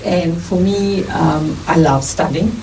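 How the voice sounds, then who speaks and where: Low-voiced South African woman, gravelly. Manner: measured, earnest, lists things in steady runs. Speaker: interview guest, nurse and midwife. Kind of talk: reflective interview answers. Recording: distant mic with clear background noise.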